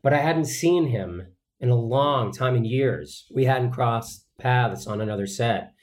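A man's voice: mid-range voice, unhurried, a little mellow. A man, an actor, answering interview questions in an earnest, chatty way, with many fillers and restarts. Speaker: actor guest.

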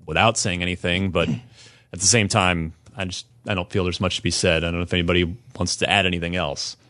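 A man hosting a casual gaming podcast, talking with his co-hosts and often halting and restarting mid-sentence. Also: deep voice, no echo. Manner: somber and halting, then lively and animated. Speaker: podcast host.

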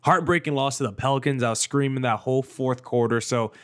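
A young man hosting a solo sports podcast, his voice a little hoarse. He talks with excitement, leaning on "like" and "I mean.". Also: mid-range voice, brisk. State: slightly hoarse from screaming. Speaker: podcast host.

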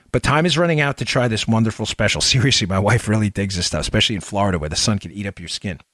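A man's voice: medium pitch, a bit bright, no echo, studio quality. A male talk show host reading an ad in a casual, repetitive, emphatic infomercial style, selling with personal endorsement.

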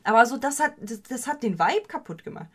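This is a woman podcast host in relaxed conversation, her voice sitting a little high. She talks in a playful, rambling way, full of fillers and restarts, with English slang mixed in. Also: fairly quick, breathy edge. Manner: many fillers and self-corrections. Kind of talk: casual chat.

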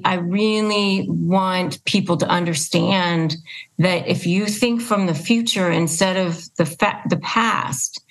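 A woman's voice: medium pitch, low-quality recording. A woman hosting a casual conversational interview, speaking emphatically and repeating her points for stress. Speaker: podcast host and interviewer.

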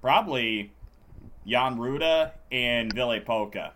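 A man's voice: mid-range voice, takes it slowly, a bit bright. A hungover man co-hosting a casual sports podcast, talking in a dry, sardonic way. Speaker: podcast host.

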